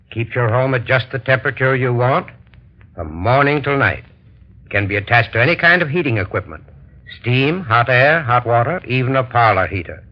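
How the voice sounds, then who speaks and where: A male spokesman reads a 1930s radio commercial in a friendly, persuasive tone. His voice sits in an ordinary middle range. The recording sounds muffled and old. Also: medium pitch.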